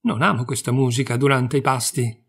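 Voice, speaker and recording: A man's voice: mid-range voice, normal speed, creaky, breathy edge. A man reads as a plain, homely country mouse from a storybook fable. He talks bluntly and simply, without any airs. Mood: indignant.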